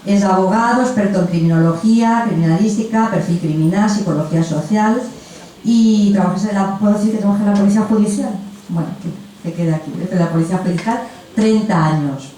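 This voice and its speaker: She speaks briskly in a mid-range, dark-toned voice, effusively and casually introducing guests at a literary panel she is moderating. The festival event room is echoey, and the distant mic picks up faint noise.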